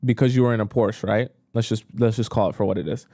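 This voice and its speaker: Fast and dark-toned in a lowish voice, a young man offers dating advice on a live stream. He reads out viewer questions with disbelieving reactions, chatting casually and using many fillers. The recording is dry and studio quality.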